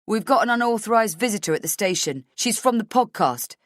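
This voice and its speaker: A woman's voice: medium pitch, lively intonation, fairly quick, dry recording, pitched above the performer's own voice, natural voice. Brusque security guard, male, read by a woman, raised and dry. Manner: brusque, blunt.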